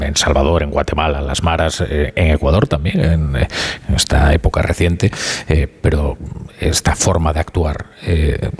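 Very deep male voice, husky, radio host, measured, hesitant delivery. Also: darkish tone. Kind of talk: live radio discussion.

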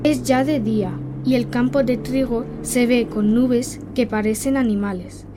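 A woman's voice: a little high, steady tone, unhurried, noisy background. A woman reading a scripted first-person diary in the voice of a young girl, simple and intimate. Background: soft background music.

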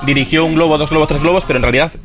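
A man's voice: fairly high pitch, fairly even intonation, racing, music in the background. Chatty man on radio. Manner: chatty and nostalgic, hums and sings snippets. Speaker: radio TV-history pundit. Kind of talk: casual radio chat.

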